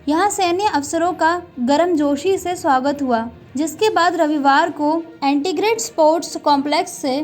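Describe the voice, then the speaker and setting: A woman with a high-pitched voice delivers scripted news bulletins in an even, formal newsreader manner. Soft music plays faintly beneath her reading. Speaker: news anchor.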